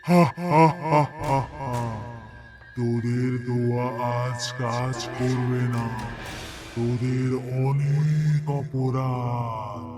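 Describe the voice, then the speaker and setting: Horror cartoon villain: evil jinn disguised as old cleric, slow, drawn-out menace, cackling, music underneath. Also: male voice, medium pitch, fairly even intonation. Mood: gloating menace. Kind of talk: animated horror cartoon acting.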